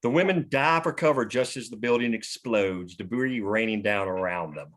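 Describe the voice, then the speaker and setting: A man's voice: lowish voice, moderate pace, fairly bright tone. A man narrating stage directions from a screenplay at a table read.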